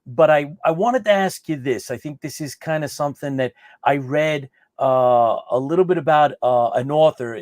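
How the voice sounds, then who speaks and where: A man's voice: mid-range voice, darkish tone, no room sound, clean studio sound. A man hosting a live online interview show, chatty, often repeating words and restarting his sentences. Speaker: host.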